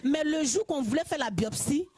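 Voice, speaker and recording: A woman from Côte d'Ivoire with an Ivorian French accent, telling her personal testimony in church in a lively way, often laughing. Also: high-pitched, moderate pace, a little hiss or hum. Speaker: church member giving testimony.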